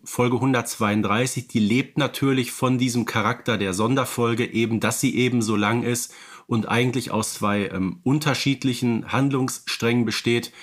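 A man's voice: mid-range voice, fairly bright tone. Hesitant man with frequent fillers. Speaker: podcast co-host. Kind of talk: casual fan podcast chat.

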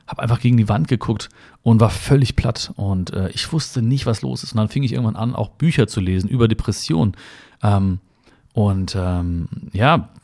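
A man's voice: mid-range voice, darkish tone. A man hosting a talk show, recalling a hard time in his life to the listener in a reflective, hesitant way with many fillers and restarts, in a room with the window open in the mountains. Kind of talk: personal storytelling to the listener.

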